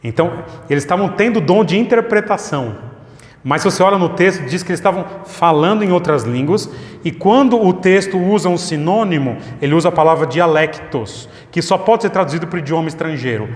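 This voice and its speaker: Man, pastor, Bible study teaching, conversational, fairly high voice, echoey church hall. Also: expressive, fairly quick. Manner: explanatory, conversational, repeats questions for the audience.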